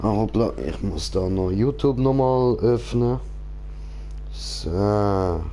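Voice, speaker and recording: A young man with a Swiss German accent, giving casual commentary while playing a game, relaxed and mumbling his choices aloud. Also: on the low side, slow, a little hiss or hum. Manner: relaxed, mumbling asides while choosing options. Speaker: gaming streamer.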